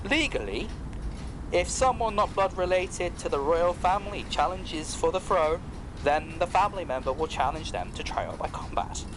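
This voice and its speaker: Man voicing a formal high-pitched clockwork man, noisy recording. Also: very animated, normal speed. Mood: formal, literal. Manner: formal, literal. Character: loyal wind-up mechanical man, literal and formal. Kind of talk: audio drama acting. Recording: noisy amateur audio recording.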